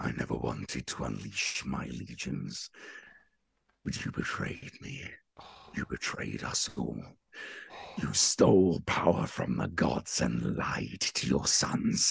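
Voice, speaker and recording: A put-on character voice from a man, growling and very deep, at a fairly slow pace with long, frequent pauses. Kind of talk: dramatic. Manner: grave, accusing.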